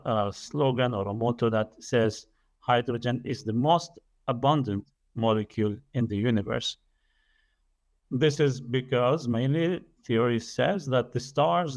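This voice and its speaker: A man's voice: mid-range voice, vocal fry. Earnest Arabic-speaking man explaining. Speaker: podcast guest, energy business developer. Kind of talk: conversational interview, explaining.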